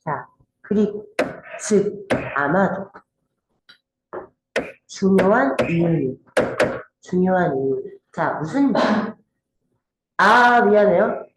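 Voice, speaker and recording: A woman's voice: fairly low pitch, animated, slow, pauses often. A woman teaching an exam-prep English grammar lesson, often checking in with her students. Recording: very echoey room with faint noise.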